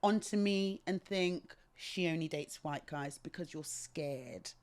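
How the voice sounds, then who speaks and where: This is a lower-voiced woman from England who speaks with a British accent. She is a guest in a relaxed conversation and tells her stories articulately and with plenty of expression. Her delivery is animated and engaged. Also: a little slow. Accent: British English. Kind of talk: casual conversation.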